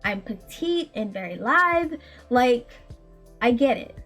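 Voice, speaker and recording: A woman in her late twenties with a very high, small voice, telling a story in a casual chat full of laughs and fillers. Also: slow, soft background music. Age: late 20s. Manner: animated, laughs often, frequent likes and ums. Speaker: indie game developer and streamer.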